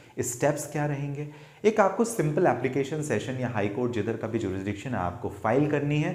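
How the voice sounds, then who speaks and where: Somewhat breathy, a man speaks at a moderate pace with very wide pitch swings. There is audible room echo. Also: fairly high pitch for a man. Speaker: lawyer. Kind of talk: legal explainer. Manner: hesitant fillers.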